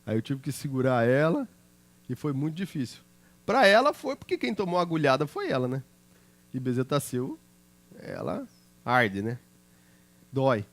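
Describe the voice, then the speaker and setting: A man's voice: mid-range voice, sing-song, normal speed, pauses often. A middle-aged man, a pastor preaching a sermon through chatty personal stories and often checking in with his listeners.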